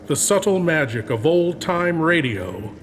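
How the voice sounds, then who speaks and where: A man hosting a horror audio show, introducing it in a slow, hushed, ominous manner. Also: on the high side, very animated, very noisy. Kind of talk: theatrical horror host introduction.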